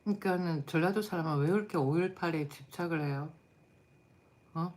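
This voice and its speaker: A middle-aged woman hosts a casual live stream and speaks in a notably low voice. She talks bluntly and chattily, answering viewers' comments as they come in. She sounds tired. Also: fairly quick, a little mellow.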